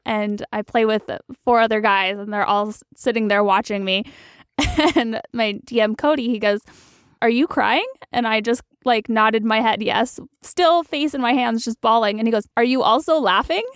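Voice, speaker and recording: A woman's voice: fairly high pitch, smooth, no echo, studio quality. A young woman chatting as a guest in an interview, telling stories with lots of giggles and restarts. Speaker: guest player. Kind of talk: casual interview chat.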